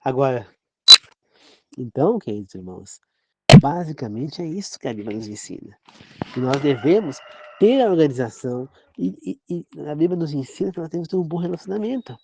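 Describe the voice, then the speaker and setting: A man's voice: on the high side, lively intonation, brisk, very noisy. A man from Brazil giving an informal, rambling sermon-style talk as a preacher, often checking "entendeu?" with his listeners. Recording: dull, dry, lo-fi sound.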